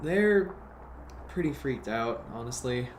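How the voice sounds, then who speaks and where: A man's voice: medium pitch, expressive, slow. An actor playing an anxious, practical young man with an earnest, hesitant manner in an audio drama. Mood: dry, uneasy. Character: anxious, practical young adult urging friends to flee. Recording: clear background noise.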